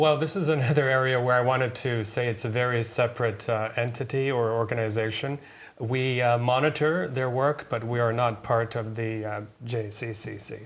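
A man keeps fairly even intonation while talking at a moderate pace. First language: English (speaking Russian). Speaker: spokesperson for an international monitoring mission. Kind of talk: TV studio interview via interpreter. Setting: TV studio. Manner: hesitant, many fillers. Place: studio. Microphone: lapel.

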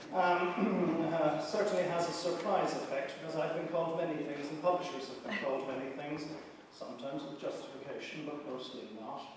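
Over light background noise and strong room echo, a man talks with ordinary pitch variation. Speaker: panelist. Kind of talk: panel discussion remarks. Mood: wry, humorous. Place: hall.

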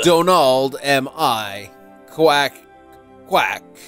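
A man puts on a character voice with a fairly high pitch. Faint music plays in the background. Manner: playful, silly.

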